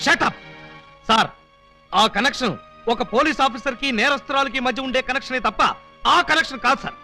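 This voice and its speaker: An actor playing a comic, flustered male police officer who fires off quick denials and wordplay. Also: extremely high pitch, bright, forceful tone, exaggerated voice. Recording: film soundtrack with music behind.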